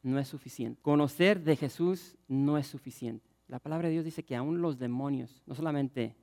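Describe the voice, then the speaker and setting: A man preaching a passionate sermon as pastor, reading scripture and acting out the crowd's shouts. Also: mid-range voice, moderate pace.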